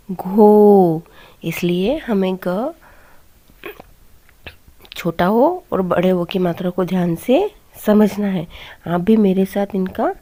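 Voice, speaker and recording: Using a warm voice of medium pitch, a primary school teacher leads a Hindi lesson for children, slowly pronouncing each syllable and having the class echo her.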